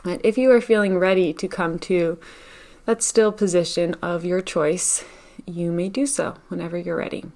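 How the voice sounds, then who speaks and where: Lower-pitched woman guiding a meditation. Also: steady tone. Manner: gentle, unhurried, with long pauses between phrases. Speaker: meditation guide. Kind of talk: guided meditation, live session.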